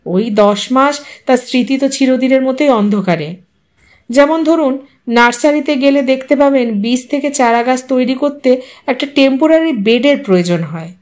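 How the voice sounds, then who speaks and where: A patient, reassuring male doctor in an audio story, voiced by a woman. He explains things in a soothing, even manner. The voice sits fairly high. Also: moderate pace, lightly acted. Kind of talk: audiobook reading.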